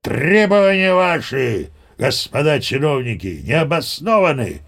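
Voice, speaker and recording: A boastful old sea captain telling a tall tale. His voice sits fairly high and bounces with lively, animated intonation as he spins his story. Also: a little slow, vocal fry, heavily acted. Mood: pompous. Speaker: narrator. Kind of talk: audio play narration.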